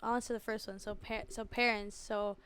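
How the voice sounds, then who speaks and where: A woman's voice: medium pitch, a little fast, a little hiss or hum. A young woman from Canada, an R&B singer, chatting casually as a podcast guest with many fillers and easy laughs. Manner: relaxed, laughs often, lots of likes and fillers. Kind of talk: casual interview chat. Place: podcast studio.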